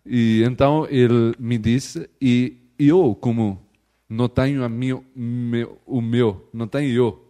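A man with a European Portuguese accent speaks Portuguese as a non-native speaker in a relaxed conversation. He searches for words, breaks off his sentences and restarts them, and keeps checking in with his listeners. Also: medium pitch, unhurried. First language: not Portuguese. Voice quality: hesitant, with frequent restarts and filler checks. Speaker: missionary guest. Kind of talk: casual interview chat.

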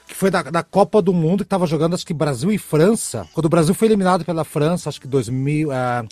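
A man with a Brazilian Portuguese accent hosting a casual podcast chat, telling stories in an animated, talkative way. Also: on the high side, fast, dry recording. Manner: animated, chatty storyteller. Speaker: podcast host.

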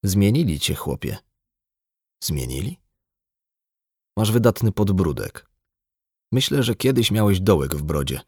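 A man voicing a blunt, embittered, drunk male doctor in an audiobook, gruff and lecturing. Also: low-pitched, big pitch swings, measured pace, pauses often, no echo, clean studio sound, heavily acted. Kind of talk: audiobook dialogue.

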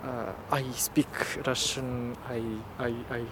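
A man from Kyrgyzstan speaks earnestly in a city square and stammers a little as he looks for words. His pitch is middling. Faint traffic hums in the background. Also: flat delivery, slow. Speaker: interviewee. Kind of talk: casual interview answers. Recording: faint outdoor traffic noise.

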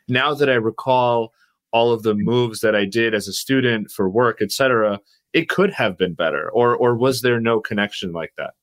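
A man hosting an interview podcast, asking probing questions at a quick pace with a few stammered starts. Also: mid-range voice, a bit bright, dry recording. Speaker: podcast host.

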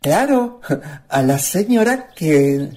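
A smitten Chilean country suitor in a radio play. His husky voice swings widely up and down, while his manner stays polite and playful. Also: high-pitched, very animated, takes it slowly, dark tone, full character voice. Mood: flirtatious. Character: courteous, smitten country man courting a shy woman.

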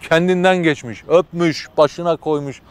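A man's voice: fairly high pitch, normal speed, clear, resonant tone. A man preaching through a religious story, told vividly and dramatically with casual fillers.

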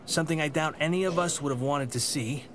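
Actor as brusque, high-ish hard-boiled police commissioner. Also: male voice, fast talker, fairly bright tone, natural voice. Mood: commanding. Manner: commanding, no-nonsense. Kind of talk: pulp radio drama acting. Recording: clear background noise.

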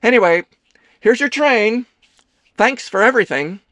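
A man's voice: very high voice, animated, a little slow, sharp tone, no echo, voice pushed up, heavily acted. A man voicing a short young gay man in an audiobook, polite but guarded, plain-spoken and lightly wry. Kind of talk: audiobook character dialogue.

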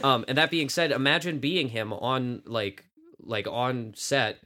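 A man hosts a relaxed group discussion with a slight lisp. He tells stories in an animated way, acting out what people said, in a voice of ordinary middle pitch. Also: measured pace, a loud crowd. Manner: animated anecdote telling, acting out quoted lines. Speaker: podcast host. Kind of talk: casual group chat.

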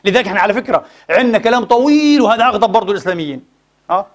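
A man preaching a Friday sermon in a mosque, speaking. His voice sits very high and races along at a breakneck clip. He presses the congregation with impassioned rhetorical questions. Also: animated, rapid-fire.

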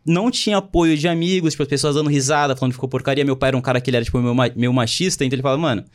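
A young man in his twenties tells his own story in a relaxed, slangy way and keeps quoting other people's words. He talks quickly at a middle pitch. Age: 20s. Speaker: guest telling his story. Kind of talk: casual chat.

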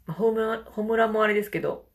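A middle-aged woman with a Kansai accent, a vocal trainer chatting and laughing often on a casual livestream voice lesson. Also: fast. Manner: chatty, laughs often, demonstrates falsetto vowels.

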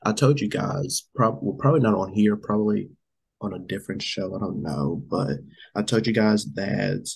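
A man's voice: on the low side, normal speed. A man co-hosting a casual show, sick and losing his voice, rambling and saying "you guys" a lot. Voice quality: gravelly, husky. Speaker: podcast co-host.

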